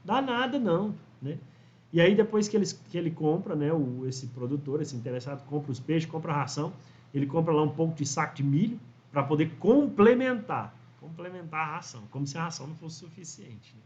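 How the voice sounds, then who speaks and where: Man, 40s, high-pitched chatty teacher, muffled lo-fi audio. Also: expressive, fairly quick, darkish tone. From Brazil. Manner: chatty storyteller, frequent "né?" tags, acts out quoted voices. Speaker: fish farming consultant and teacher. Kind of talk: casual instructional talk to camera. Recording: dull lo-fi audio.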